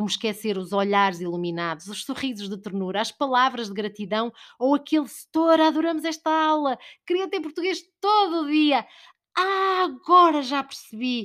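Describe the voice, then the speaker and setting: A woman speaks at a high pitch with very wide pitch swings and big swings in loudness. Her pace is moderate, and the recording is very clean with a silent background. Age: 60s. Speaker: teacher and opinion columnist. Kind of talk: reading aloud of a personal essay.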